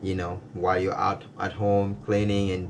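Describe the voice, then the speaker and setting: A man speaks with a non-native accent at a fairly low pitch. His intonation is monotone and flat. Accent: non-native, noticeable. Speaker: home cook. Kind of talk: casual cooking tutorial to camera.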